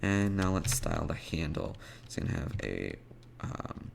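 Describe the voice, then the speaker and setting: Slow, low-pitched man with creaky voice. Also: big pitch swings, a little hiss or hum. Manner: halting, thinking aloud in short fragments. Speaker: web development tutorial host. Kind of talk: informal screencast coding tutorial, explaining steps while typing. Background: computer keyboard typing and clicks.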